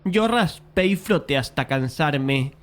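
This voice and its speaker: A man playing a polite, easily frustrated painter who narrates a dramatized horror audiobook in a measured, literary way. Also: a little high, expressive. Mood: measured, uneasy.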